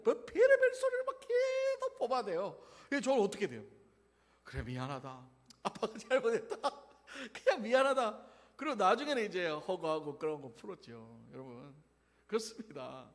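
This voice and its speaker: Middle-aged male pastor, high lively voice, animated storyteller who acts out dialogue, church hall reverb. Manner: animated storytelling, acting out quoted lines with shouts and laughter. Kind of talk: sermon with personal story. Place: church sanctuary.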